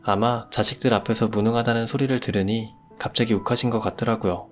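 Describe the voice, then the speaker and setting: A man reading a listener's first-person family story aloud in a calm, steady retelling. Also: lowish voice, fast, soft background music. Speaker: story reader.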